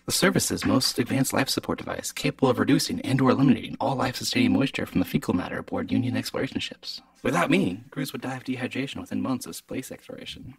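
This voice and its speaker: A man's voice: mid-range voice, lively intonation, fast talker, vocal fry, few pauses, breathy edge, no echo, recorded from a distance, low-quality recording. A man voicing a polite, servile sanitation droid on a spaceship, formal and dutiful, in a comedic audio drama. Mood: eager, proud.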